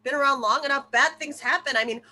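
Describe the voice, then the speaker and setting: A woman's voice: high-pitched, fast talker, sharp tone. A woman reading a young boy from a group of friends in a screenplay table read. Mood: uneasy.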